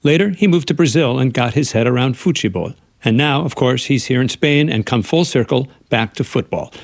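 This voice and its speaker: Gravelly-voiced male radio correspondent. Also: mid-range voice, animated, brisk, no room sound, studio quality. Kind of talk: scripted radio report.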